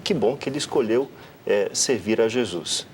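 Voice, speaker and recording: A man's voice: lowish voice, moderate pace, a little hiss or hum. Preaching Brazilian man. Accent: Brazilian Portuguese. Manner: sermon-like, lively emphasis. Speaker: pastor. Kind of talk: preaching on a talk show.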